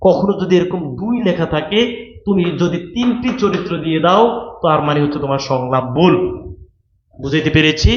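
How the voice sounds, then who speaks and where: A man's voice: on the high side, a little hiss or hum. A man teaching an online exam-prep lecture, repeating rules and often checking that his students understand. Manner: repetitive, instructive, keeps checking students understand. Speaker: admission test tutor. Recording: roomy, dull lo-fi sound.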